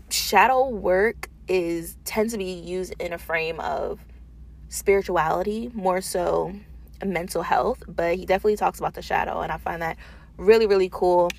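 A woman talking casually and informally in an unedited solo podcast, thinking aloud as the host, recorded in a small office booth. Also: fairly low pitch.

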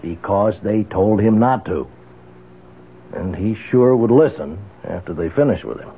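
An actor with an American accent playing a tough, blunt, skeptical ex-Marine detective in a 1970s radio drama. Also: male voice, fairly low pitch, lively intonation, measured pace, breathy edge, heavily acted. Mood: hard, reasoning. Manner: blunt, scoffing. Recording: tinny, phone-like old radio broadcast.

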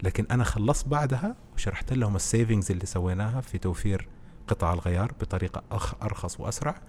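A man, a podcast guest who explains presenting skills through animated stories in casual conversation. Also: lowish voice, racing, a little hiss or hum. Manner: animated storytelling, explains with anecdotes.

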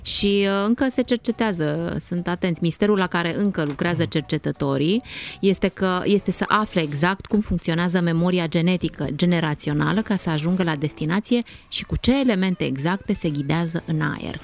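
A woman co-hosting a morning radio show, chatty and laughing easily in the studio. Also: fairly low pitch. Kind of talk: casual studio chat.

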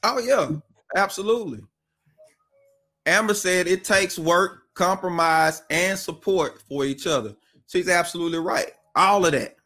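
A man with a fairly high voice co-hosts a relaxed talk show. He reads out comments in a conversational tone and pushes people to answer his questions. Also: unhurried. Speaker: podcast co-host. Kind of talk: casual chat, reading viewer comments.

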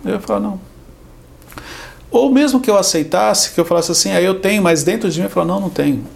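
Gravelly, quick-talking Brazilian man. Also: high-pitched. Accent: Brazilian Portuguese. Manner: explains with everyday examples and acted-out quotes. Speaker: podcast guest. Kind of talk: conversational teaching.

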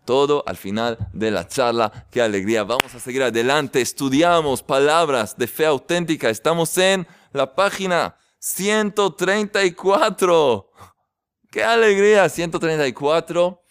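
A man in a yeshiva teaching a lively religious class in a cheerful, joking way. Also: fairly high pitch, measured pace, clean tone, no room sound, studio quality. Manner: cheerful and joking, keeps exclaiming with delight. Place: yeshiva study hall.

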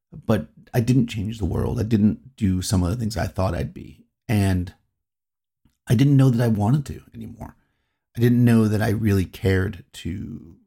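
A man's voice: fairly low pitch, gravelly, mellow, slightly rough. A middle-aged man from New England, hosting his own podcast and talking in a reflective, rambling way that circles back on itself. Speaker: podcast host. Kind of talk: reflective solo podcast talk.

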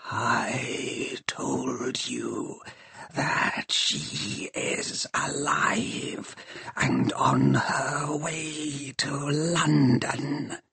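A man voicing an inhuman undead machine-man with a slow, grating, whispery rasp. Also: mid-range voice, pitched above the performer's own voice, heavily acted. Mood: cold menace. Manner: slow, flat and menacing.

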